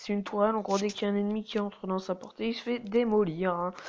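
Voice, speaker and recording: This speaker has a slight northern French accent and a fairly quick pace. The intonation stays monotone and flat. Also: woman. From northern France. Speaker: gaming youtuber. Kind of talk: gameplay commentary. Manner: casual, hesitant with fillers.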